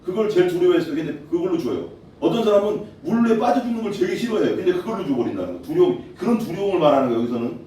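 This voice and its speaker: A man's voice: high voice, expressive, racing, mellow, slight background noise. A man preaching a sermon as pastor, talking conversationally and putting questions to his congregation. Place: church hall. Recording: echoey hall, voice from far off.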